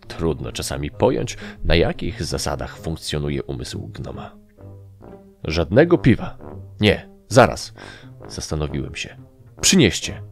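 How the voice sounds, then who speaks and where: Deep gravelly Polish male narrator. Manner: animated, voicing characters with raised shouts. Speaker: audiobook narrator. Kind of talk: first-person audiobook narration.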